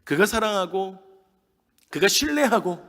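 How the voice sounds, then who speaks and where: A man's voice: high voice, sing-song, a little slow, a bit bright. A man preaching a sermon as pastor, delivering it dramatically and acting out the words of the people in his story with emphasis. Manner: dramatic, emphatic preaching that acts out quoted speech. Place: church sanctuary. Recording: long reverb of a large hall.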